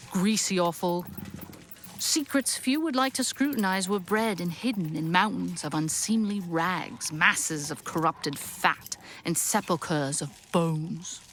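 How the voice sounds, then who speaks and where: A woman narrating a Victorian audio drama in measured, deliberate, weighty phrases. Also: lowish voice, a little hiss or hum. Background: soft ambient soundscape.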